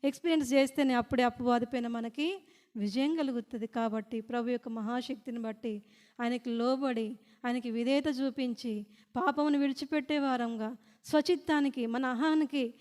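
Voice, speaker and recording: A woman preaches at a women's meeting, her voice pitched high. She asks the listeners questions and then answers them herself. Her words ring on in a long reverb from the prayer hall. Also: darkish tone. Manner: reads scripture slowly and deliberately. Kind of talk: sermon.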